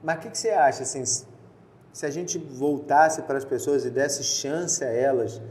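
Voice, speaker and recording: A man, a pastor, talking casually in a church podcast and telling stories with lively quoted voices. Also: medium pitch, normal speed. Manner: conversational, animated storytelling with quoted voices. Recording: roomy sound with faint noise.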